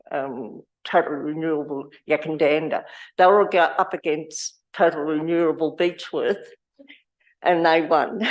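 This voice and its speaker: Hoarse woman, lower register, chatty and rambling, speaking at a lectern in a council chamber. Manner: chatty, rambling, with restarts and laughs. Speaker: community award volunteer. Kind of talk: informal speech at a council meeting. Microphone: lectern microphone.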